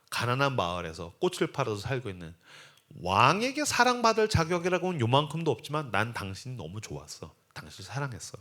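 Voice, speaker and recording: A man voicing a king in disguise who tenderly confesses his love to his wife in a sermon story, in a soft, hushed way. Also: medium pitch.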